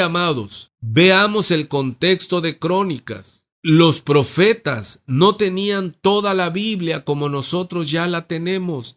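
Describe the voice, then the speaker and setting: A male pastor delivers a sermon in a church, reading scripture aloud. He speaks at a very slow, deliberate pace. His voice is bright and sits a little high for a man. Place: church sanctuary.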